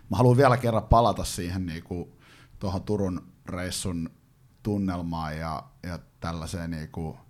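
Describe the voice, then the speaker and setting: A man on a fan panel, chatting casually and haltingly, full of fillers. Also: low-pitched, steady tone. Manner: hesitant, many fillers and restarts. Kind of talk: casual chat.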